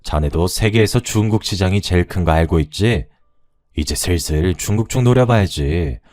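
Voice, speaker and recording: A man's voice: low-pitched, moderate pace, a little mellow, close to an everyday voice. A man playing a self-assured, coaxing business partner who is a swindler, in a radio story. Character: smooth-talking swindling business partner, middle-aged man.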